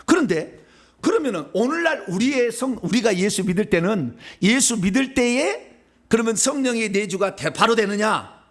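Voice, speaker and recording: Male pastor, from Seoul, middle-aged, high voice, very animated pitch, preaches in a question-and-answer manner. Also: normal speed. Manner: conversational preaching, asks the congregation questions and answers them himself. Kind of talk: sermon.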